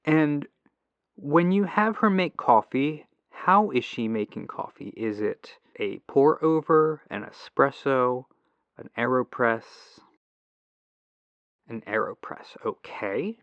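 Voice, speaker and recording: Muffled telephone filter, man playing earnest male support agent, slow pace, gentle and reassuring, slightly gravelly, ASMR roleplay. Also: mid-range voice, expressive, dry recording. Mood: attentive, curious. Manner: gentle, reassuring, apologetic, musing to himself. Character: patient, earnest male robot tech-support agent and programmer. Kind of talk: soft-spoken ASMR phone roleplay.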